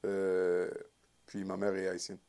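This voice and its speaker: A man's voice: low voice, monotone, slow pace, creaky, warm tone. A young man from Canada, a guest musician, answering interview questions in an easygoing, casual way. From Sherbrooke, Canada. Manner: easygoing, laughs lightly.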